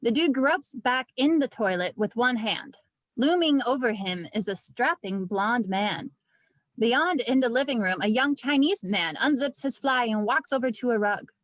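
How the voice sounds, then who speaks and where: High-voiced woman reading stage directions. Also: animated, unhurried, fairly bright tone, no echo, poor audio. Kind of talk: scripted narration, table read. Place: indoors, remote online read.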